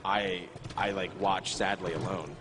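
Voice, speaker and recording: A young man casting an esports tournament, bantering in a deadpan, self-mocking way. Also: low voice, a little slow, heavy background noise. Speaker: esports caster. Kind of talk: joking esports commentary.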